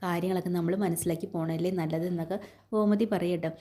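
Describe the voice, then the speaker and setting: A woman's voice: fairly low pitch, steady tone, fast, warm tone. A woman casually retelling a TV serial episode in a chatty way, often ending sentences with a tag that asks the listener to take note. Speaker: serial recap narrator.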